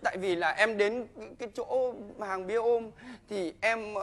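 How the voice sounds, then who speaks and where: A man's voice: high-pitched, moderate pace, a bit bright, a little hiss or hum. An actor playing a cocky young male patient in a stage comedy sketch, cheeky and wheedling. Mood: sheepish. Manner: cheeky, wheedling, mumbling when embarrassed.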